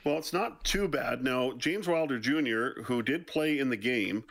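A man working as a football colour commentator, giving conversational radio analysis in a deep voice. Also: lively intonation, a little slow, vocal fry, fairly bright tone, dry recording.

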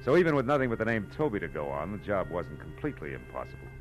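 A hard-boiled private eye from a vintage radio serial. His voice is very low, and his delivery is wry, clipped and world-weary. Music plays behind him. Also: sing-song, rapid-fire, low-quality recording. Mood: tough, world-weary. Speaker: lead actor and narrator. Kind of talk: 1940s radio detective narration and dialogue.

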